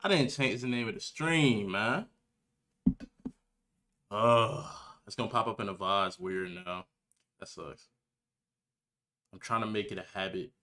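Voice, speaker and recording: A man's voice: fairly low pitch, measured pace, pauses often, sharp tone. A nineteen-year-old man chatting casually and slangily on a livestream, laid-back as he talks to his viewers. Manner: laid-back, slangy, talking to chat while setting up. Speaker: livestreamer, gamer and reaction video creator.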